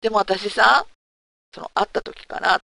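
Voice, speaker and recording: A woman's voice: mid-range voice, measured pace, vocal fry, dry recording. A woman hosting a talk segment, telling a personal story candidly and casually, asking her listeners rhetorical questions. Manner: frank and animated, asks listeners rhetorical questions.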